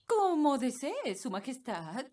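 Fairy nanny for animated series: dry, theatrical, swooping high delivery, Latin American Spanish. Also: female voice, slow pace, full character voice. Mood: dutiful. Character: bossy, dry adult fairy nanny with magic spells. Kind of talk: animated cartoon dub. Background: music.

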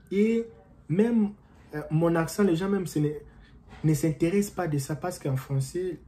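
With a very dark voice of medium pitch, a young adult man records a casual motivational talk to camera in a small room at home, a slight hiss or hum audible. He is animated and gestures as he rambles, often starting over, and describes his own French accent as non-native-sounding.

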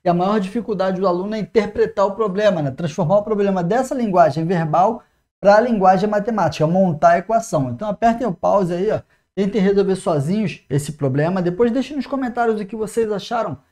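A man in his forties with a Brazilian Portuguese accent, teaching math at a whiteboard. He talks energetically to the viewer and slows down to spell out each step as he writes. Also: high-pitched, a little mellow. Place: classroom in front of a whiteboard. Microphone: lapel mic.

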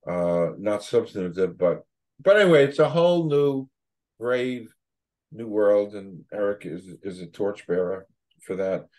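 An older man with a fairly low voice hosts a casual interview over a video call. He rambles in an emphatic way, often doubling back on words to stress them. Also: expressive, unhurried, darkish tone. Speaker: show host. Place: home office on a video call.

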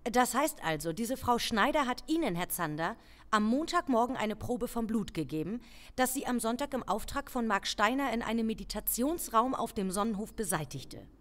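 A woman's voice: fairly high pitch, lively intonation, normal speed, fairly bright tone. Authoritative female police major. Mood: stern, focused. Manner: formal, commanding. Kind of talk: German crime radio drama acting.

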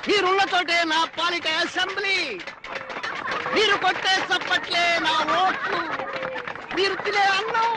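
An actor playing a vain, pompous chief minister who makes boastful speeches with crude asides, in a 1990s Telugu film. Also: male voice, extremely high pitch, fairly even intonation, measured pace, pauses often, heavy background noise.

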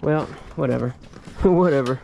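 A man's voice: fairly high pitch, creaky, dark tone, lo-fi sound, slight background noise. A man hosting a casual storage-locker vlog, thinking aloud as he digs through items, with frequent hmms and little laughs. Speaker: storage locker reseller host. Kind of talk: casual unboxing commentary. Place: cluttered metal storage unit.

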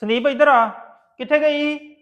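An actor playing a stern elder brother who scolds his sister loudly. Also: very high-pitched, steady tone, normal speed, reverberant, muffled recording. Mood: angry scolding. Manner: scolding, interrogating, loud. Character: stern angry elder brother, young adult man.

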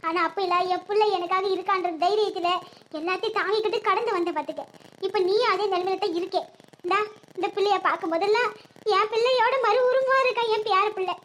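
A woman's voice: extremely high pitch, quick pace, a bit bright, slight background noise. A woman voicing a grieving older village mother-in-law with a southern Tamil Nadu accent, lamenting and giving advice. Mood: earnest advice. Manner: lamenting, advising.

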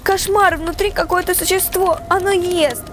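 A woman's voice: very high voice, steady tone, moderate pace, background noise. A woman voicing a frightened, anxious young woman stranded on a train in a horror text-message story. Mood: terrified. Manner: anxious, breathless exclamations and pleas.

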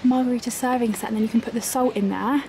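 A woman's voice: fairly high pitch, fairly even intonation, fast, darkish tone, a little hiss or hum. A British woman in her twenties, chatting on a handheld camera as she browses a large shop, gushing and filling her talk with "like". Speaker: vlogger. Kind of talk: shop-with-me vlog. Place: large clothing and homeware shop, indoors.

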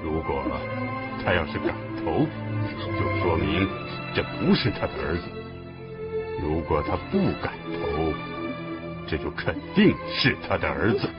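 A man's voice: very deep voice, big pitch swings, a little slow, long pauses, full character voice. An actor playing a cunning, imperious older king who gives commands and mocks, in a period drama. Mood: scheming. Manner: commanding, with mocking laughs. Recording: dull lo-fi TV audio. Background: score music.

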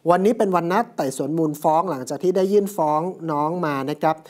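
A man hosting a morning news show, reading out a story and quoting people in a steady news delivery. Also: on the high side, fast. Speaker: news program host.

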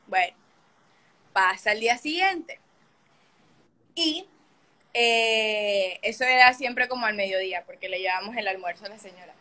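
A woman's voice: medium pitch, lively intonation, moderate pace, long pauses, bright, forceful tone. A young woman, hosting a livestream and telling a story casually and animatedly, swearing often and acting out the scenes. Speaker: livestream host.

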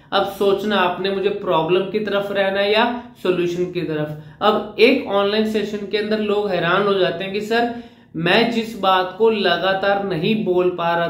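A man's voice: sits high, roomy sound. A man from India, a public speaking coach, giving an earnest talk to camera and answering his own questions.

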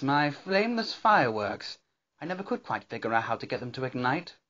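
Cartoon male pony scientist, played by a voice performer: eccentric, exclamatory, genteel, very animated pitch, somewhat muffled sound. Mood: puzzled, reflective. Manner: theatrical, exclamatory, wordy and genteel. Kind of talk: character voice reel, theatrical cartoon acting.

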